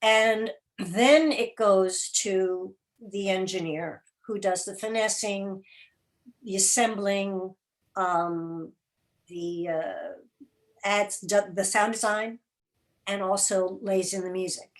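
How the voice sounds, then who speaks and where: A woman who produces radio programs and podcasts explains her work as an interview guest at an online gathering. Her mid-range voice is halting and thoughtful, the explanation informal and spoken.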